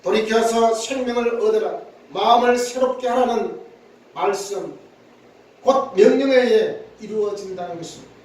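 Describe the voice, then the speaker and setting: A pastor with a high, slightly mellow voice preaches an earnest sermon at a normal pace, repeating words often and acting out quotations. He is in a church sanctuary, recorded from a distant mic in an echoey hall.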